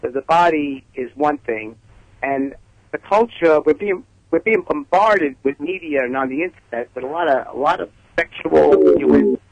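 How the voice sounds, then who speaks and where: Brooklyn-accented man calling in, higher voice. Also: sing-song, no room sound. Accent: heavy Brooklyn. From Brooklyn, New York. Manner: halting, hesitant phrasing. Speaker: caller. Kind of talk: opinionated radio call-in talk. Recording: radio call over telephone line.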